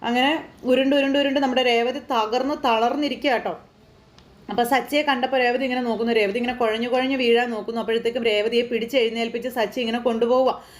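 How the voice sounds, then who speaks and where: A woman's voice: a little high, fairly even intonation, fast talker. A woman casually retelling a TV serial episode, chatty, with frequent tag words and repetition. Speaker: TV serial recap narrator. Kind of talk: casual storytelling recap.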